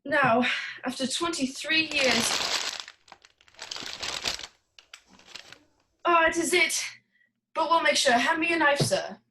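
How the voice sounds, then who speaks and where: A woman's voice: high-pitched, measured pace, background noise. Woman playing a pompous, courtly crime boss. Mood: excited. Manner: pompous, formal, theatrical. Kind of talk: film noir radio play acting.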